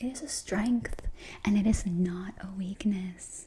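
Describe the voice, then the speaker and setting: The speaker is soft-spoken, with a gentle tone. The pace is fairly slow. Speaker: ASMR creator. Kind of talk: soft-spoken ASMR talk on emotional wellbeing. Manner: soft-spoken, gentle.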